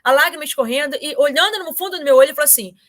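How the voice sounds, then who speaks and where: High, bright-voiced woman. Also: racing. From Brazil. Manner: animated, full of fillers and repeated words. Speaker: interview guest. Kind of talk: casual anecdotal storytelling.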